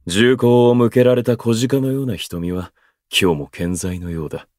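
An actor playing an aloof, eloquent station worker in a voice drama, speaking in florid, pompous, unhurried phrases. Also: male voice, medium pitch, expressive, darkish tone, no room sound, studio quality, natural voice. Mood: coolly courteous. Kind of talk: Japanese voice drama acting.

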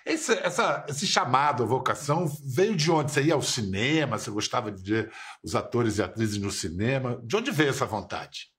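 A man's voice: medium pitch, lively intonation, moderate pace, fairly bright tone. A male interviewer who asks engaged, affirming questions.

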